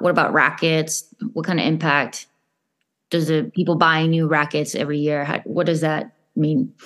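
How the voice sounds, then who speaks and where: Very deep, low pitch from a woman, fairly even in intonation and moderate in pace. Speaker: podcast host. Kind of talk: casual interview.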